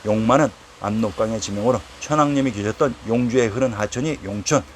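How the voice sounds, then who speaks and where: A man's voice: fairly low pitch, fast talker, slight background noise. Man reading a formal history lecture. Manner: steady formal recitation, quoting old texts. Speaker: narrator of a history lecture series. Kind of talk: read-aloud historical lecture.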